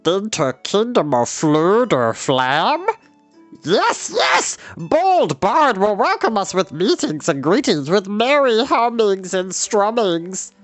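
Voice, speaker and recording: Shaggy male creature, high-pitched, eager, fretful, pleading, wailing, rhyming, devoted. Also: very animated, takes it slowly, dry recording, soft background music. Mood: excited, hopeful. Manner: rhyming, pleading, wailing speech, refers to himself in third person. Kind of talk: children's storybook character reading.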